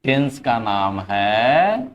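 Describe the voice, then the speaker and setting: A man teaching English grammar to students, explaining in Hindi, slowly dictating example sentences and often addressing the class as "children". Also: mid-range voice, sing-song, lo-fi sound. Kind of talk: classroom lesson.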